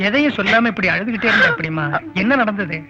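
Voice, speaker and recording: An actor playing a weary older uncle in a film, speaking in a coaxing, earnest way. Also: male voice, high-pitched, animated, fast. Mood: pleading. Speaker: film character. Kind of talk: film dialogue. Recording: dull film audio with music.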